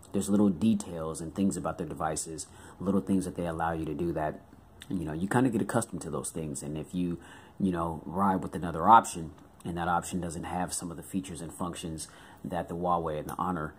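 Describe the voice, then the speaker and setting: A hoarse man from the United States talking casually as a tech reviewer, chatty and full of fillers. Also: low voice, a little hiss or hum.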